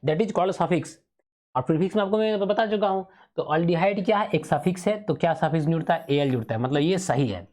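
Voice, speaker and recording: A man's voice: on the high side, expressive, fairly quick, a little mellow. A male teacher giving an exam revision lesson in speech, who keeps asking questions and answering them himself, repeating the key terms.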